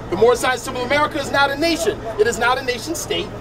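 A middle-aged man debating outdoors on a city sidewalk, speaking into a handheld mic in a measured, lecturing way that repeats its phrases. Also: very high voice, lively intonation. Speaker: street debater. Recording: noisy outdoor street recording. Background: crowd and traffic noise.

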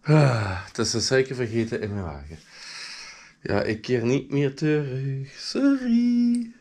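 Man, has a cold, playful home vlog, unhurried delivery. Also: mid-range voice, sing-song, a little mellow. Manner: playful, sings snatches of songs. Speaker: vlogger. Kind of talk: casual vlog chat. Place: at home indoors at night.

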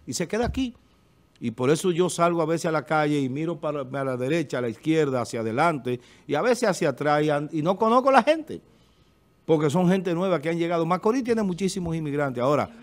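A man's voice: fairly high pitch, animated, a little fast. A middle-aged man with a Dominican accent, giving emphatic political commentary as a TV panelist at a desk microphone. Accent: Dominican Spanish. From Dominican Republic. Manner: emphatic, gestures with hands, repeats filler eh. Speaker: panelist on a local TV talk show. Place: TV studio. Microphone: desk studio microphone.

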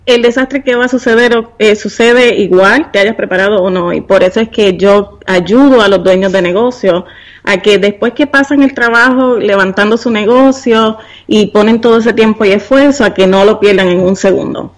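A woman's voice: medium pitch, moderate pace. Puerto Rican woman in her forties. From Puerto Rico. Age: 40s. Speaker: guest, university professor and business consultant. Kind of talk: podcast interview conversation.

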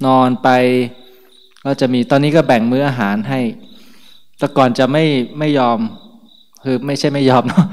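Male monk, informal morning sermon, mid-pitched voice, chatty, frequent light laughs, long hall reverb. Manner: chatty and relaxed, laughs often between remarks. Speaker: Buddhist monk.

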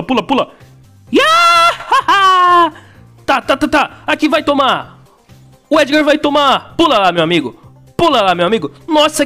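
Excitable Brazilian man narrating gameplay. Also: extremely high pitch. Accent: Brazilian Portuguese. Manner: excitable, exclamatory, slangy. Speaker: gaming YouTuber.

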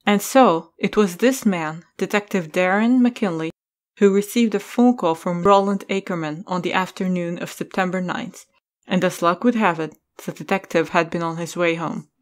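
A woman's voice: on the low side, moderate pace. A woman narrating a scripted story as the narrator of an audio drama.

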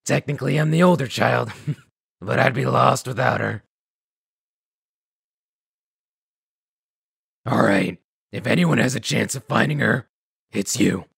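A man voicing a weary, bitter, self-deprecating ghoul scavenger in a video game, raspy and gravelly, with grudging, halting delivery. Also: mid-range voice, a bit bright, no room sound, exaggerated voice. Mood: wistful. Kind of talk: video game dialogue acting.

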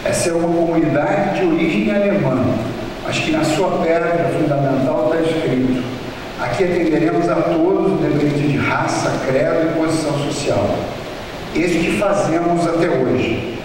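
Man from rio giving a heartfelt speech at a podium, big echoey chamber, sounds far off. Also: a little high. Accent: Rio de Janeiro Portuguese. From Brazil. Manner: emotional, measured, reading from notes. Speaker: honoree giving an acceptance speech. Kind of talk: formal ceremony speech. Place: large council chamber, indoors. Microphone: podium microphone. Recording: echoey chamber heard from a distance with room noise.

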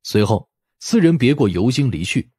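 A man's voice: medium pitch, big pitch swings, moderate pace, darkish tone, husky, no room sound, studio quality. A man reading scripted story narration expressively, as an audiobook narrator.

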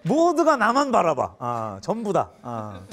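A man in his forties, a teacher, telling a funny story in an animated way and often laughing mid-sentence. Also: high-pitched, a little slow. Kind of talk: humorous storytelling lecture.

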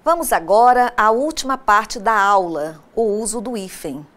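A woman's voice: mid-range voice, lively intonation, measured pace, a bit bright. A woman with a Brazilian Portuguese accent narrating an online lesson as a teacher, speaking directly to her students and asking them questions as she explains.

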